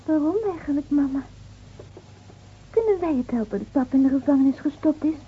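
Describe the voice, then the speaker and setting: Very high-voiced little peasant girl played by a woman, naive and earnest, old radio drama, tinny and a bit noisy. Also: a little fast, lightly acted. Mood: puzzled, plaintive. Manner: earnest, questioning. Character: naive, devout young peasant shepherd girl. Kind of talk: radio play acting.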